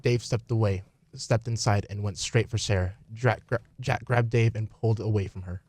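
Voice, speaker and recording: A man's voice: on the low side, fairly even intonation, moderate pace, a little mellow, slight background noise. A man reading scripted story narration as the narrator of a radio play.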